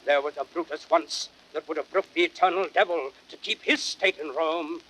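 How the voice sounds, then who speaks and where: A man's voice: on the high side, moderate pace, fairly bright tone, natural voice. An actor playing a bitter, persuasive, scheming Roman nobleman in declamatory classical Shakespearean style. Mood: impassioned, persuasive. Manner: declamatory, impassioned, rhetorical. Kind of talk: classical Shakespearean radio drama acting. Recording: noisy vintage spoken-word drama record.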